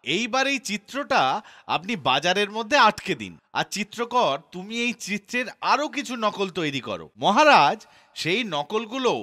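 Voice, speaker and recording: A man's voice: sits high, big pitch swings, moderate pace, sharp tone, full character voice. A man voicing a shrewd, confident court jester in a children's cartoon, persuasive and sing-song. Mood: shrewd, brisk.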